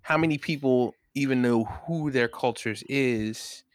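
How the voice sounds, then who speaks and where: A man on a casual podcast who circles his point with repeated false starts before committing to it. His pitch sits at an average level. The recording is dry and close. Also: a little slow, no echo. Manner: restarts often, hesitant build-up before his point. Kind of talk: casual discussion.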